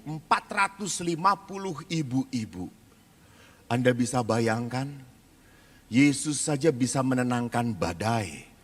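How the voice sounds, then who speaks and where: A man, a Catholic priest, giving a lively seminar talk and acting out the voices in his stories. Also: medium pitch. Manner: animated storyteller, acts out quoted voices. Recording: reverberant hall.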